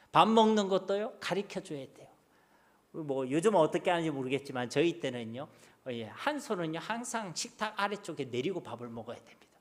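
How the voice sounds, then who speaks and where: A middle-aged man preaching a sermon in a Gyeongsang Korean accent, his voice pitched high and swinging widely. He keeps putting rhetorical questions to his congregation. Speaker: pastor.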